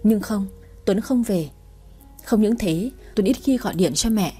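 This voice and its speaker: A woman's voice: medium pitch, measured pace, dark tone, slightly rough, soft background music. A woman in her twenties narrating her own sad family story in a sorrowful, reflective way. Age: 20s. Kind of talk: first-person story narration.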